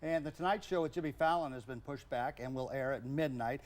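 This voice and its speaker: A man's voice: mid-range voice, fairly quick. An American man presenting the news as a television anchor.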